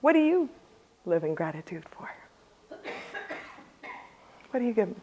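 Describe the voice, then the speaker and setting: Lively woman leading a live workshop. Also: medium pitch, a little slow, lo-fi sound, a little hiss or hum. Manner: lively, laughs often, asks the audience questions. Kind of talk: motivational talk to a live audience.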